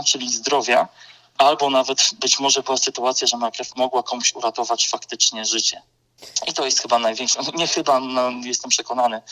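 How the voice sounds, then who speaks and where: A man's voice: medium pitch, sharp tone, rough recording. A man in his thirties, a police blood donor, speaking earnestly in an interview with occasional self-corrections. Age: 30s.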